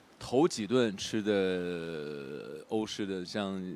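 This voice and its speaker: A man with an unremarkable speaking voice talks at a fairly low pitch with ordinary pitch variation. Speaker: actor. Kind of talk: interview answer.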